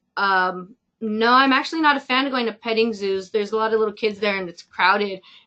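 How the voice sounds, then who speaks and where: This is a woman. She has a plain, everyday voice. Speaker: webinar presenter, tutoring coordinator. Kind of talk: webinar presentation. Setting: online webinar. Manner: casual, filler-heavy.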